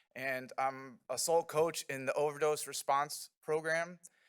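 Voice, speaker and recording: A man with a slight New York accent speaks at a fairly high pitch in monotone, flat intonation. His pace is fairly slow, and the sound is dry and close with no echo. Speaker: peer recovery coach, applicant for board. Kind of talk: public testimony at committee meeting. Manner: halting, many fillers.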